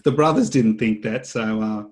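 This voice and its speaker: A man's voice: lowish voice, moderate pace, darkish tone. A man hosting an interview podcast, asking questions in a friendly, easygoing way. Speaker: podcast host.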